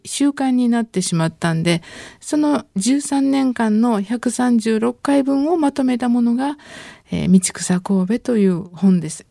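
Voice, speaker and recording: A middle-aged woman giving a radio lecture, reading her own essay in a gentle, unhurried way with soft fillers. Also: mid-range voice, no echo, studio quality. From Japan. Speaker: essayist and city information center head.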